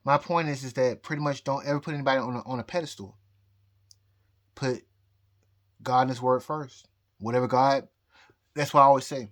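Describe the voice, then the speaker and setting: A man in a rambling, drunk-sounding personal rant, halting and repeating his phrases, speaking emphatically and defiantly. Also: mid-range voice, fairly bright tone. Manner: emphatic, defiant talk of fate and God. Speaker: astrologer.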